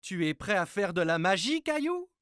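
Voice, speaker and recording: A man playing a calm, kindly father in a children's cartoon, speaking in a reassuring, good-natured way. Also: high voice, moderate pace, smooth, no room sound, studio quality. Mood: playful. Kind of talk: animated children's cartoon dialogue.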